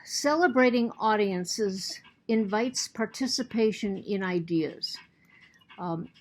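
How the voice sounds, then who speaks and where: A woman's voice: medium pitch, a little mellow. A woman teacher giving a recorded lecture to her students, earnest, often repeating and restarting words, and she has the hiccups.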